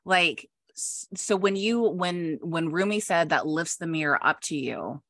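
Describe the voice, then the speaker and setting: A woman hosting a podcast with a bright, forward voice in a dry, close recording. She talks in a casual, reflective way and leans on repeated phrases for emphasis. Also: lowish voice, measured pace, no echo. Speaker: podcast host.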